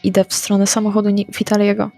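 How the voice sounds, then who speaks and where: Female player at a middle pitch who states her moves briskly and practically, light music underneath. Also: completely flat delivery, creaky, warm tone. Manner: brisk, practical, quick declarations of action. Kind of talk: tabletop game play. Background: faint background music.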